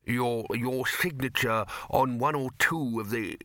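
A man's voice: medium pitch, takes it slowly, bright, forceful tone, no room sound, studio quality. A man voicing a nervous, deferential bursar in a comic fantasy storybook, hesitant and stammering with strained politeness. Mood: smoothly placating. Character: nervous, placating, deferential male university bursar at a wizards' college.

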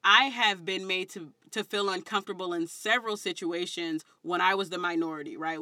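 A woman's voice: mid-range voice, pushed and bright, no echo. A woman in her thirties with a Southern African American English accent, talking candidly and emphatically in slangy, unfiltered conversation as an interview guest. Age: 30s.

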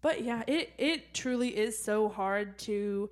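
A young woman co-hosting a casual Christian podcast chat, excitable and quick to laugh, with plenty of fillers. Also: medium pitch. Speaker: podcast co-host.

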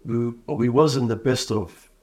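A man's voice: medium pitch, slow, warm tone, husky. A man in his thirties from Iraq, earnestly telling his life story as an interview guest.

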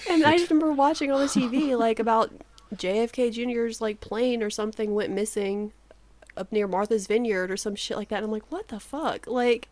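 A woman's voice: on the high side, a little fast, darkish tone. A woman in her thirties chats with her co-hosts, her voice still a little sleepy. She laughs often and swears casually as she tells her stories. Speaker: podcast co-host. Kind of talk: casual chat.

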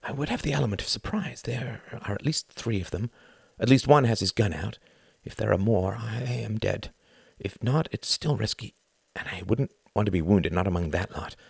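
A man's voice: lowish voice, animated, moderate pace, gravelly, slightly rough, no room sound, heavily acted. A man voicing a wary man thinking aloud. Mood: anxious reasoning. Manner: quiet, anxious inner reasoning.

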